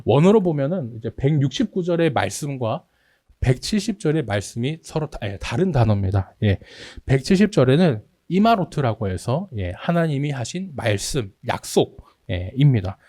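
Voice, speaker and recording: A man's voice: medium pitch, big pitch swings, normal speed, mellow, no room sound, studio quality. A man preaching a sermon as pastor, acting out anguished prayers in a raised voice. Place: church sanctuary.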